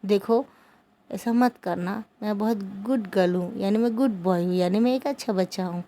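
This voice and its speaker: A woman's voice: medium pitch, moderate pace, mellow, close to an everyday voice. A woman voicing a carefree, jobless young man who jokes and teases in his retorts. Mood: playful. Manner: teasing, playful retorts.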